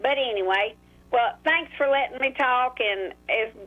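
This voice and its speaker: A woman's voice: fairly high pitch, a little slow. A woman in her eighties calling in to a talk radio show, chatty and affectionate, often repeating words. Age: 80s. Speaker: caller. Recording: phone line.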